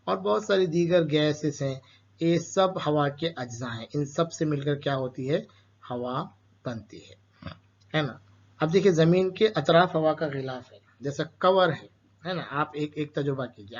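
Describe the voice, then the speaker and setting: A man with an Urdu-speaking Indian accent explains a school lesson to children. He keeps asking questions and answering them himself, in a voice a little higher than most men's. The recording sounds dull and lo-fi. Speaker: teacher.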